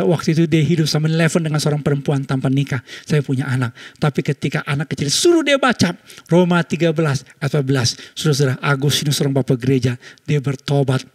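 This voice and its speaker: A man pastor preaching a sermon, telling stories and making pun jokes as he teaches. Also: a little high. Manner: storytelling, punning jokes.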